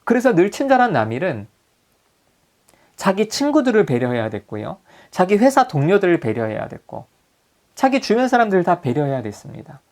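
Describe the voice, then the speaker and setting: A man's voice: high voice, brisk. A man giving a psychology lecture as a group counselor, putting questions to his audience. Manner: animated, asks the audience questions.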